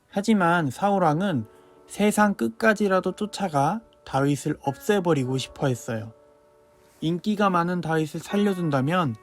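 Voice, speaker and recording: Guy telling kids a bible story, kinda high voice, gentle and lively. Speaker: children's ministry preacher.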